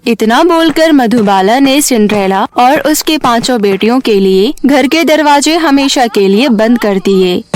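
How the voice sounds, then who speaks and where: A woman's voice: a little high, expressive, unhurried, hardly any pauses, a little mellow. A woman giving scripted narration for a children's story as the narrator.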